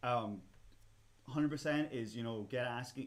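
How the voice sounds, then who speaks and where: A man talks with a Scottish accent. His pace is moderate and his pitch variation ordinary. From Scotland, east coast. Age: 30s. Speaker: museum staff presenter, live streamer. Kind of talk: casual live stream chat while building a model kit. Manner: casual, many fillers (um, you know).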